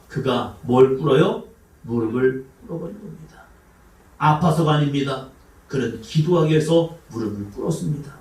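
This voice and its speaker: In an echoey church sanctuary, a male pastor with a slightly high, slightly mellow voice preaches a sermon, quizzing the congregation and voicing the cries and sighs of those he quotes. The mic sits some distance away in the hall.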